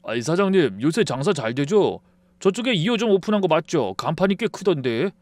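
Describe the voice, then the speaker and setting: A man's voice: fairly high pitch, big pitch swings, fairly quick, darkish tone, no room sound, pitched above the performer's own voice. A man voicing a chatty regular customer passing on gossip. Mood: curious. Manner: gossipy, curious.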